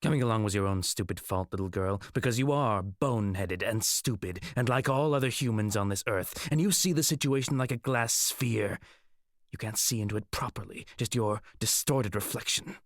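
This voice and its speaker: A man playing an unhinged, lonely black mage in an audiobook, bitterly mocking and theatrical, lurching between low menace and high wailing. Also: normal speed, no room sound, clean studio sound, lightly acted. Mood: bitter mockery. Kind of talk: audiobook character acting.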